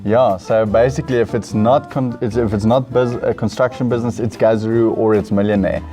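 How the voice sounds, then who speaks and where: A man's voice: on the low side, fairly even intonation, fairly quick, dark tone, faint music behind. A South African man hosting a game show in a casual, easygoing, chatty way.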